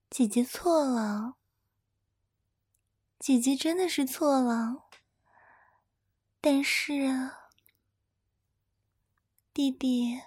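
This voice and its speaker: A woman performing a soft, coaxing older-sister persona in an intimate whispered roleplay, speaking breathily and close to the microphone. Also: high-pitched, dry recording.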